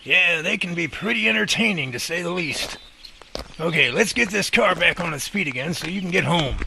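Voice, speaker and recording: An actor playing a feisty, folksy older professor with a blustery, sharp tongue in an audio drama. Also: male voice, high voice, animated, normal speed, gravelly. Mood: wry. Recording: noisy outdoor ambience with birds.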